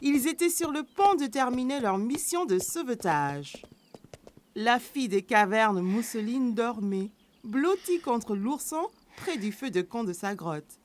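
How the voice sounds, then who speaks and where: A woman narrating a children's cartoon in a gentle, even storytelling manner. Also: a little high, measured pace, a little hiss or hum. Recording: narration over loud cartoon music.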